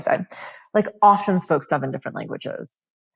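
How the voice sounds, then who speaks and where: The recording is very clean with a silent background, and on it a woman talks at a moderate pace. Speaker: podcast host and coach. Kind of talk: solo podcast monologue. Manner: loud when excited.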